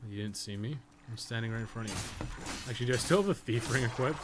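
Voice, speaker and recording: A man's voice: medium pitch, quick pace. Rambling man over background noise. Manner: rambling, thinking aloud, casually profane. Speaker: game streamer and podcast co-host. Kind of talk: casual live gameplay commentary.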